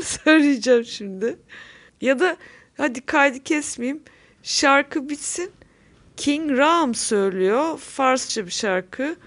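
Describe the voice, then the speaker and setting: A woman hosting a music program, chatting casually between songs and laughing often. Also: high-pitched. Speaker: radio show host. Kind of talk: casual music show chat.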